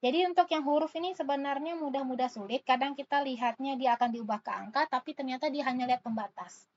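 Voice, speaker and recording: A woman's voice: high voice, quick pace, muffled recording. Woman tutor talking through letter puzzles. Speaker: online test-prep tutor. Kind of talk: explaining letter-series puzzles step by step.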